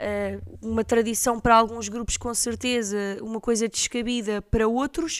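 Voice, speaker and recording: At a moderate pace, a woman speaks in a high pitch with fairly even intonation, in a very clean recording with a silent background. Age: 20s. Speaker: podcaster. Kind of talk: casual monologue. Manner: rambling with fillers.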